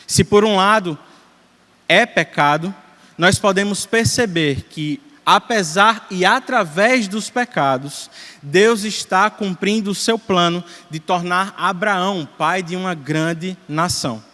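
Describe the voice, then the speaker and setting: A man with a Brazilian Portuguese accent, preaching an expository sermon in a church, measured and emphatic, posing rhetorical questions. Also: high voice, pushed and bright, long reverb tail. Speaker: presbyter preaching. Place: church sanctuary.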